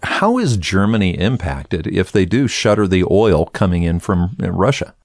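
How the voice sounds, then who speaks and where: A man's voice: low-pitched, very animated, normal speed, a little mellow, dry recording. A man interviewing a guest, asking probing questions in a conversational way.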